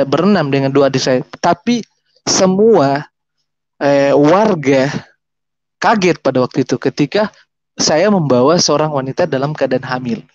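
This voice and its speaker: A man in his thirties with a Makassar Indonesian accent, telling his personal testimony in a rambling way, with restarts and fillers. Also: on the high side. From South Sulawesi, Indonesia. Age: 30s. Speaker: guest sharing a testimony. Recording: dull lo-fi sound.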